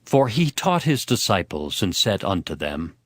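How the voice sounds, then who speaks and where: A man narrating scripture as a dramatized story, in a measured and expressive storytelling manner. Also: low-pitched, no echo, clean studio sound. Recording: music behind the voice. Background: music.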